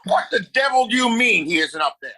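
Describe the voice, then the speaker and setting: A man plays a rich, domineering town boss in a Western radio play. His bright voice swings widely in pitch as he hands out orders with condescension and open scorn. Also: expressive, a little fast, heavily acted. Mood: irritated, demanding. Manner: condescending, commanding. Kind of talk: Western audio play acting.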